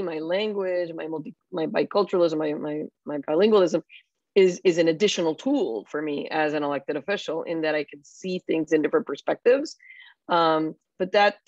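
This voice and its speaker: A woman's voice: on the low side, darkish tone, no echo. A woman in her fifties from Puerto Rico, an elected official, speaking candidly and reflectively on a panel over a video call. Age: 50s. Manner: candid, reflective, frequent "you know". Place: home room with bookshelves, indoors. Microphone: video call webcam. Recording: dull, dry webcam audio.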